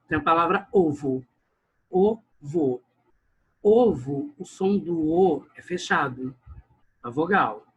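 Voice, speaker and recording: A man's voice: a little high, a little slow, fairly bright tone, husky, dull audio. A male grammar teacher, giving an online lesson and often calling out to his class while he stretches words for emphasis. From Brazil.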